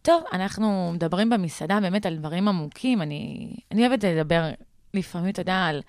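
A woman's voice: fairly low pitch, a little mellow, dry recording, clean studio sound. A young woman telling a dating story in casual chat, acting out the quotes and laughing often.

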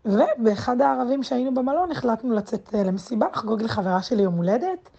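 A woman in her twenties telling a casual personal anecdote as a guest, unhurried and full of hesitant fillers. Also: on the high side, creaky, mellow. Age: 20s. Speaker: guest storyteller. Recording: slightly dull lo-fi recording.

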